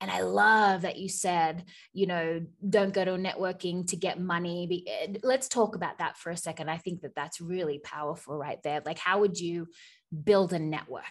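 Someone with an Australian accent speaks in an animated, enthusiastic tone with ordinary pitch variation. The background is quiet. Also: woman, fairly low pitch for a woman, moderate pace. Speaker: podcast host. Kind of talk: casual interview.

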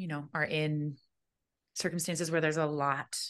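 The voice moves at a moderate pace. The background is quiet. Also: woman. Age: 30s. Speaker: movement artist and dance teacher. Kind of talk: casual interview chat.

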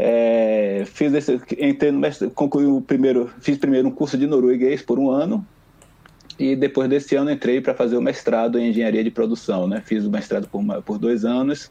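At a moderate pace, a man speaks in a medium-pitched voice with a dark, mellow tone and ordinary pitch variation. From Brazil, Salvador (Bahia). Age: 40s. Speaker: volunteer football club manager. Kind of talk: interview.

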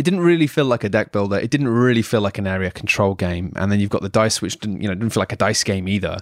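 A man's fairly low voice at a very fast pace, lively in intonation, hardly any pauses, dry and close with no echo. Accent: British. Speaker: board game podcast host. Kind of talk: casual chat. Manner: animated.

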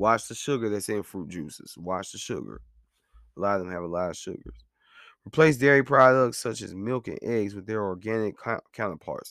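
On a very clean recording with a silent background, a man with a fairly low voice speaks at a fairly quick pace in an animated tone, with ordinary pitch variation and big swings in loudness. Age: 30s. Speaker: podcast host. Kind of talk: casual monologue.

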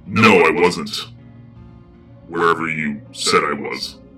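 A man's put-on, growling character voice, very deep and low, fairly slow, with faint music in the background. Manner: calm, flat.

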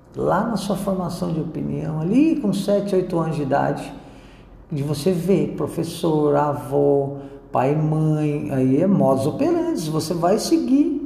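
A man talks at a very slow pace. The recording carries audible room echo and noticeable background noise. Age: 40s. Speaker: leadership coach. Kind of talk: workshop talk. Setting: meeting room with small live audience. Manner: animated.

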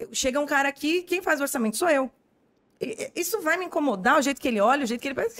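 A woman with a high pitch and an animated tone, a very fast pace broken by long, frequent pauses. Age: 30s. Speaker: partner at a car repair shop. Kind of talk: casual chat.

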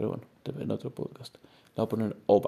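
This man talks at a moderate pace. His speech moves along at that pace throughout. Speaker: podcast host. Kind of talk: casual monologue. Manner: pitch rises when excited.

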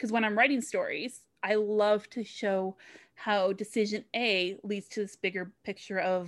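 A woman with an ordinary speaking voice and a Canadian accent, medium pitch, fairly even intonation and a moderate pace, on a very clean recording with a silent background. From Canada (Vancouver, BC). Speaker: author and publisher. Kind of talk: casual interview chat.

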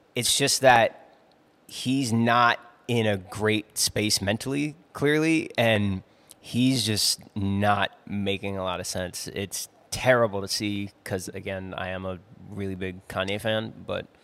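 This man speaks with a New York accent at a very slow pace. His voice is fairly low, with ordinary pitch variation. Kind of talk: casual chat. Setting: studio.

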